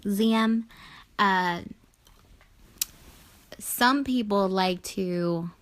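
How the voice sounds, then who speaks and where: A woman hosting a conversational discussion show on spiritual matters, talking reassuringly and often checking in with the listener. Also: medium pitch. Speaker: show host.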